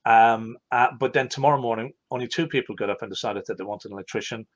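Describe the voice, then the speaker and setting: Casting: male host with an Irish accent, chatty and animated, dull lo-fi video-call sound. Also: mid-range voice, fast talker. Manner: animated, rambling, self-correcting. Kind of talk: live online Q&A chat.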